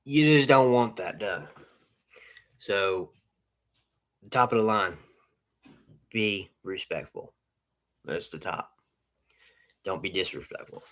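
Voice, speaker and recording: A man's voice: sits low, animated, slow pace, pauses often, a bit bright. Man, lawn care business owner, casual vlog advice, rambling, repeats himself, restarts.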